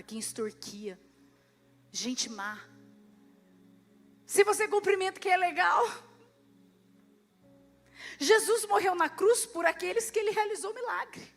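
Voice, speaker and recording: A Brazilian woman pastor preaching at a church service, lively, swinging between loud and hushed, and acting out prayers and dialogue. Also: extremely high pitch. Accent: Brazilian Portuguese. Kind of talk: sermon.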